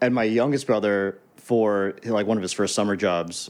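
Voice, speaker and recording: A man with an American accent and a normal speaking voice, fairly low in pitch, at a moderate pace. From New York City. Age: 30s. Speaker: retail store manager. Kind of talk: casual chat.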